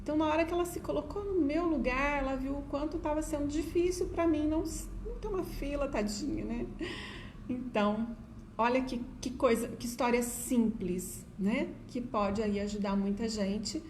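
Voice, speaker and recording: A woman's voice: high-pitched, moderate pace, a little mellow. A middle-aged Brazilian woman with a Brazilian Portuguese accent, casually telling stories to viewers in an affectionate, chatty way and often adding "né?". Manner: chatty, affectionate, many diminutives and "né?" asides. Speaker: educator sharing stories. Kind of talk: casual storytelling talk to viewers. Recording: echoey room with faint ambient noise.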